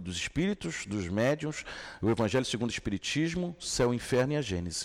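A man speaks at a medium pitch. His voice makes very wide pitch swings. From Baixada Fluminense, Rio de Janeiro. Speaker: spiritist lecturer. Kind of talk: lecture. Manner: casual, conversational.

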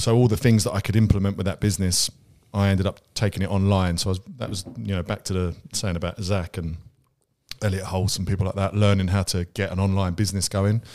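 A man with a British accent at a fairly low pitch, very fast pace and fairly even intonation, in a very clean recording with a silent background. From Essex, England. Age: 40s. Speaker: restaurant owner, former police officer. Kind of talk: casual interview chat.

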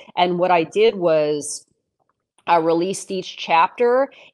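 An unremarkable speaking voice moves at a fairly slow pace with ordinary pitch variation. The sound is dry and close with no echo, over a quiet background. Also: woman. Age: 40s. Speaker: podcast guest, self-help enthusiast. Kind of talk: casual interview chat.

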